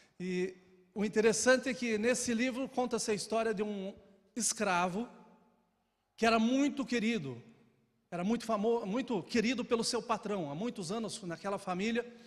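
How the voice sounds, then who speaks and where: The recording is very clean, with a silent background, and a man speaks at a high pitch with ordinary variation. His pace is moderate, broken by long, frequent pauses. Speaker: pastor. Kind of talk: sermon. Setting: church.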